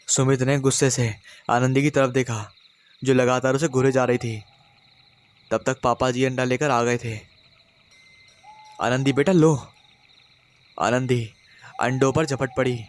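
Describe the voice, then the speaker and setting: A man telling a horror story in steady, dramatic scripted narration. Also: mid-range voice.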